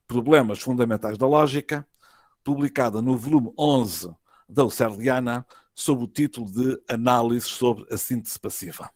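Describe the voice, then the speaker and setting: A man with a European Portuguese accent reads an academic lecture in a formal, measured way, phrase by phrase, with some hesitations. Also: mid-range voice, darkish tone, no room sound, studio quality. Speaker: university professor, conference lecturer. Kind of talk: academic lecture read from a prepared text. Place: online web conference.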